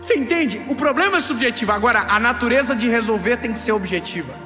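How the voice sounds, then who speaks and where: A man in his thirties preaching a sermon with emphatic, playful delivery, rising to near shouts. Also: very high-pitched, animated, fast talker. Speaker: pastor. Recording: live hall with long reverb and music.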